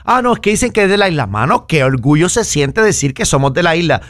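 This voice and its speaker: Jokey Puerto Rican co-host, slightly high voice, dry studio. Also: male voice, very animated, quick pace, fairly bright tone, dry recording. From Puerto Rico. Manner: chatty, interjecting, jokey. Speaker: radio co-host. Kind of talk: casual radio chat.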